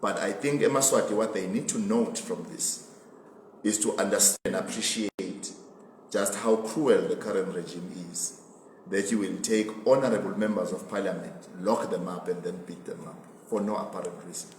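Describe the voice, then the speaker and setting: A man with a Swazi accent giving a political address in an interview, speaking emphatically and deliberately and repeating phrases for emphasis. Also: on the low side, darkish tone. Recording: echoey reverberant room with background noise.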